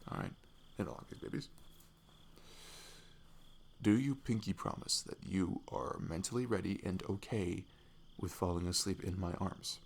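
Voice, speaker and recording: A man playing a shy, affectionate young best friend in an intimate ASMR roleplay, speaking softly and haltingly with a giggly manner. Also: low voice, creaky. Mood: earnest, careful. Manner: halting, giggly, soft-spoken. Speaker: audio roleplay performer. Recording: faint noise, night crickets behind. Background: crickets and night insect ambience.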